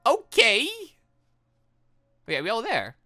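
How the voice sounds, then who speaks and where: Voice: medium pitch, huge pitch swings, measured pace, bright, forceful tone. A gaming video host doing let's play commentary, reading dialogue aloud and reacting with exclamatory asides. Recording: music behind the voice. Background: music.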